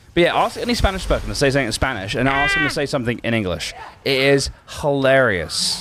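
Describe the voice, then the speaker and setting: Amid noticeable background noise, a man with a medium pitch talks very fast in an animated tone with lively intonation. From London, England. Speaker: streamer. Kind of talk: casual chat while gaming.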